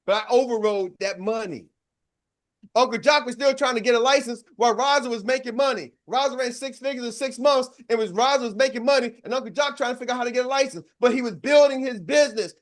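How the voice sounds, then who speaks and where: A man in his sixties giving an energetic motivational talk as a sales coach, calling out to a live audience and repeating slogans. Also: very high-pitched, fast talker.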